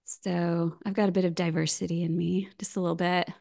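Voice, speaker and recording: Chatty American woman with a gravelly edge. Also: lowish voice, level tone, a little fast, darkish tone. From United States. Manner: chatty, self-deprecating, laughs easily. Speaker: podcast guest. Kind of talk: casual remote interview chat. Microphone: video call.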